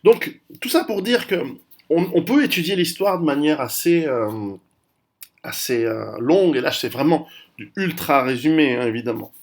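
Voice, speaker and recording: A man's voice: on the high side, lively intonation, moderate pace. A man of Italian heritage hosting his own video channel, talking casually through a history lesson with many restarts and fillers. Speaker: video host. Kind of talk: casual history talk to camera.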